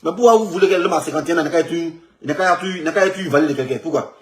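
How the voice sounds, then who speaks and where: A man comments on politics in an animated, rambling way, full of repetitions and stumbling restarts. He speaks quickly with a fairly high pitch in an echoey room.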